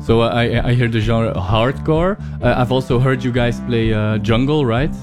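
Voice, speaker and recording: A man's voice: mid-range voice, moderate pace. A man with a Flemish accent hosting a casual radio show, chatting loosely with lots of fillers. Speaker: radio host. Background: music playing.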